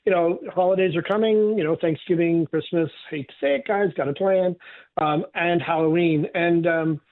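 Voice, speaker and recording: A man, a veterinarian guest, hoarse from a cold, giving chatty advice with loose fillers over the phone. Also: on the high side, steady tone, normal speed. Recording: phone line.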